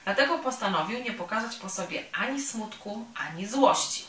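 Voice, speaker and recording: A woman reading a children's story aloud at a cultural centre workshop in a calm, gentle, unhurried way. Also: medium pitch. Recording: roomy sound from a distant mic.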